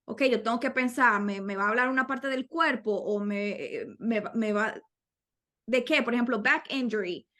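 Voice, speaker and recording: Woman cohost chiming in on test tips, bit high voice, lots of um and eh as she thinks. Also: moderate pace, bright, forceful tone. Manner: thinks aloud, with frequent fillers and restarts. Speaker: podcast co-host. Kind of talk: conversational explanation of exam tips.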